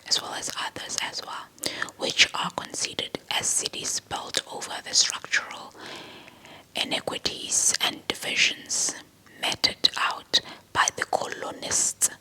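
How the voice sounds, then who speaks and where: A woman giving a whispered ASMR lecture in a breathy, unvoiced whisper, deliberate and often repeating words and phrases. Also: bright, forceful tone, poor audio. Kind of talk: whispered ASMR lecture, reading informational text.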